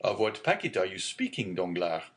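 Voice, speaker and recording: A man's voice: low voice, sing-song, normal speed, fairly bright tone, voice pushed down. A man voicing a genial, fatherly middle-aged shipowner.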